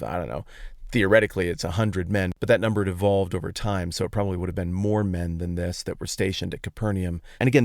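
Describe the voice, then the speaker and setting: A man's voice: low voice, vocal fry, no room sound, studio quality. A man hosting a podcast, giving a casual, conversational Bible teaching talk in informal, explanatory language. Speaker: podcast host.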